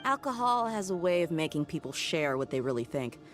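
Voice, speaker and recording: A woman's voice: low voice, big pitch swings, brisk, fairly bright tone. A woman playing a shrewd, cool-headed young desert mercenary in a video game, speaking in a self-assured, matter-of-fact way. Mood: wry, explaining. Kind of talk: dramatic video game voice acting. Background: music.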